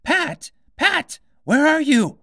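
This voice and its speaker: Storybook rabbit: very high, swooping, fretful, bossy and easily vexed. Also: male voice, very animated, slow pace, creaky, pushed and bright, dry recording, clean studio sound, exaggerated voice. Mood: angry, bossy. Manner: muttering, fretful, snapping orders.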